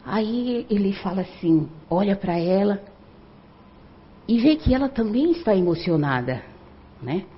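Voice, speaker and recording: Older woman, animated conversational storyteller; mid pitch, lo-fi muffled recording. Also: unhurried, pauses often. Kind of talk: oral storytelling to an audience.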